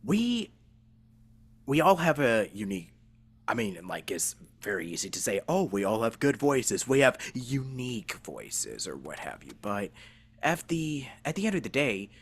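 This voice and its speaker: A man's voice: medium pitch, big pitch swings, unhurried, breathy edge. A man hosting a casual podcast interview, earnest and rambling in the way he makes his points. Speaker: podcast host, voice actor.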